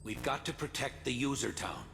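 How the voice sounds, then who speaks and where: An actor playing an earnest heroic computer program in a video game, with a focused manner. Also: male voice, medium pitch, very animated, moderate pace, gravelly, bright, forceful tone, heavily acted. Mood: urgent. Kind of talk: video game hero acting. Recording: reverberant game audio with music behind.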